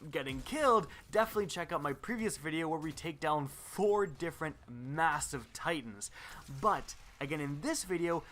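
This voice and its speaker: A man's voice: on the high side, animated, normal speed, a bit bright. A man hosting a gaming video, giving upbeat, explanatory commentary as a voice-over.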